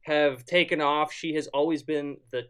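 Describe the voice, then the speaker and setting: Ohio-accented male podcast co-host, bright tone, chatty and filler-heavy. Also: a little high, steady tone, normal speed, clean tone. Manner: rambling, warm praise with many fillers. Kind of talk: casual podcast chat.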